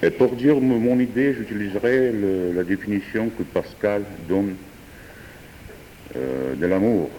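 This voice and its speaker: A man, a French speaker, improvising a philosophical talk with hesitant pauses and fillers. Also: lowish voice, warm tone, a little hiss or hum. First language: Georgian. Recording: distant voice in a reverberant hall.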